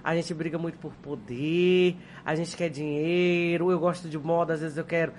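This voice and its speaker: A woman's voice: deep voice, moderate pace, a little hiss or hum. An outspoken woman from Piauí in Brazil with a Piauí accent, chatting as a podcast guest and acting out voices in her stories. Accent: Piauí Brazilian Portuguese. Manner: outspoken, expressive, mimics voices when telling stories. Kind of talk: casual podcast chat.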